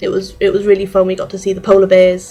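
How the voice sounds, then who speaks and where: A woman's medium-pitched voice at a fairly quick pace, with noticeable background noise. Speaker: cross stitch vlogger. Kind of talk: casual vlog chat. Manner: fast; mumbling.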